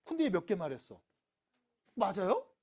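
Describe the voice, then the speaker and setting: A middle-aged man teaching a math lesson, asking quick questions and answering them himself. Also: high-pitched, slightly rough. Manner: lively, asks and answers own questions. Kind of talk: lecture.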